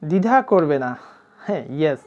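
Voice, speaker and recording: Slow-drilling woman English teacher, dull lo-fi. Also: low voice, sing-song, a little mellow. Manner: slow, deliberate repetition of English phrases. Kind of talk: spoken English lesson. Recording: dull lo-fi recording.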